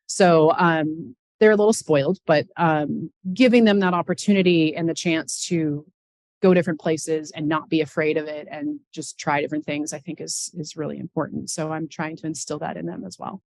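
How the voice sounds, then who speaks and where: A middle-aged woman with a gravelly, fry-edged voice talks on a panel. She is chatty and easygoing. The sound is dry and close. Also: low-pitched, fairly even intonation, normal speed, a little mellow, dry recording. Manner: chatty, laughs between points. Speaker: pilot and mother on a panel. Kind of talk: casual panel talk.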